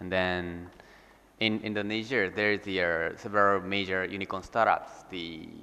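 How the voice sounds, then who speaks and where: With a Japanese accent, a man speaks at a moderate pace in a very deep, low pitch, his tone bright and sharp and his intonation fairly even. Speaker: startup founder and CEO. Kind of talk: panel discussion. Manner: halting, many fillers.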